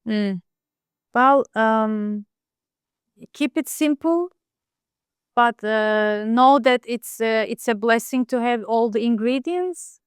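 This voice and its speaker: A woman, a home cook talking casually in an interview, soft-spoken and hesitant with many fillers. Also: a little high, slow pace, pauses often, clean tone, dry recording, clean studio sound. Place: home in Istanbul.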